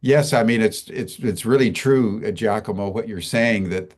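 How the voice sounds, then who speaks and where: Low-voiced man hosting, halting and slow. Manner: halting, many "uh" fillers and restarts. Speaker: host. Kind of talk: slow, hesitant interview talk.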